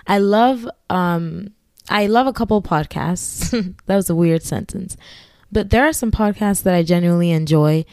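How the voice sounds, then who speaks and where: A woman's voice: lowish voice, darkish tone, no room sound, studio quality. A woman with a Ghanaian accent hosting her own podcast solo, chatting in a rambling, giggly way with asides. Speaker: podcast host. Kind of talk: casual solo podcast chat.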